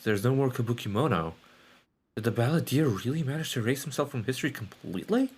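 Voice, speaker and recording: A man's voice: medium pitch, sing-song, fast talker, husky. Rambling man streaming a video game. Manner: sweary, rambling. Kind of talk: casual live game commentary, reading dialogue aloud.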